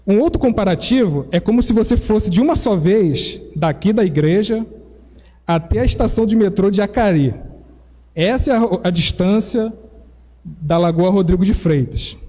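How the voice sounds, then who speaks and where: A Brazilian pastor preaches in a church, explaining each point patiently like a teacher. His voice sits high but sounds mellow. A long reverb from the church hall trails behind his words. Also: animated, normal speed. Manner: explanatory, teacherly, with self-corrections. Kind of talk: sermon.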